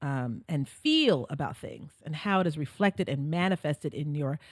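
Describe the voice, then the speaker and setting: A woman's voice: low-pitched, expressive, no echo, clean studio sound. Reflective middle-aged woman co-host. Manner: reflective, explains ideas, slows down for emphasis. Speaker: podcast co-host. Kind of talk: casual chat.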